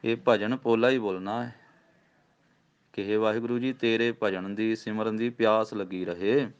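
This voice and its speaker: A man teaches scripture recitation, slowly spelling out each syllable. His voice is low, smooth and resonant. The recording sounds dull and lo-fi. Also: fairly even intonation. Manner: patient, slow spelled-out recitation. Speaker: Gurbani pronunciation teacher. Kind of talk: recitation lesson.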